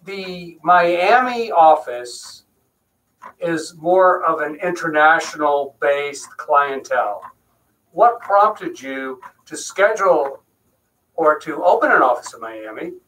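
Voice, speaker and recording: A man's voice: fairly high pitch, animated, slow, fairly bright tone, far from the mic, poor audio. A man co-hosting an interview, asking questions and explaining terms for listeners. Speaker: co-host, doctor.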